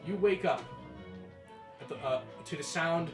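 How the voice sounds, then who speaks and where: Game master, young man, fairly high voice, rambling narration; echoey room with music playing. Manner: rambling, many fillers, quick bursts.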